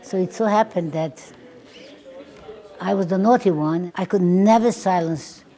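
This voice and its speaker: A woman from Syria, a nun whose first language is Armenian, speaking slowly and reflectively in a documentary interview, pausing between phrases. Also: on the low side, warm tone.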